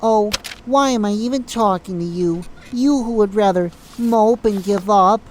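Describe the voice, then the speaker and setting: A woman's voice: mid-range voice, a little slow, darkish tone, slight background noise, close to an everyday voice. A woman playing an anxious, frustrated hospital worker in an audio drama. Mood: worried, exasperated.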